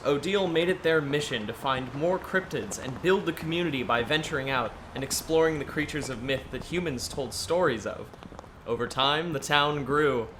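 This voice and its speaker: A man's voice: on the high side, background noise, close to an everyday voice. A man playing a playful, showy young tour guide in an audio drama, with a theatrical, mock-grand delivery.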